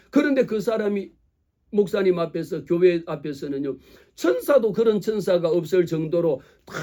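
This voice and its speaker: Man preaching a sermon, high soft voice, asks the congregation lots of questions. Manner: animated preaching, acts out quoted voices; speaks directly to the congregation with rhetorical questions. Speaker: pastor.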